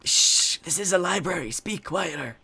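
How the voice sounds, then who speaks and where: A man voicing a pompous, imperious librarian who shushes visitors and demands quiet, in dialogue read out for a game video. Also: on the high side, expressive, normal speed, pitched above the performer's own voice. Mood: haughty, scolding.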